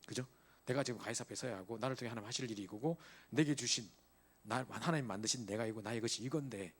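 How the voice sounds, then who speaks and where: A middle-aged male pastor with a medium-pitched voice preaches emphatically to a church youth group. He poses rhetorical questions and checks in with his listeners again and again.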